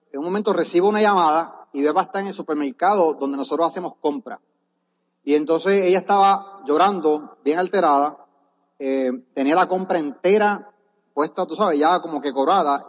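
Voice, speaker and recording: Earnest man exhorting an audience. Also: fairly high pitch. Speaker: speaker at a business seminar. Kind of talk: motivational testimony on stage. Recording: dull echoey hall recording.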